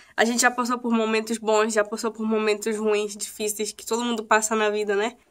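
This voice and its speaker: A woman with a fairly high voice speaks in an animated tone against a quiet background. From Pará, northern Brazil. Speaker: vlogger. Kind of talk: casual vlog chat. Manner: animated, chatty. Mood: warm, reflective, sometimes wistful. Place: home room. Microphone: phone near.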